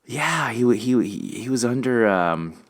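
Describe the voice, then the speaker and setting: A man's voice: medium pitch, expressive, unhurried. A man hosting a podcast, chatting casually as he interviews a guest. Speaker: podcast host.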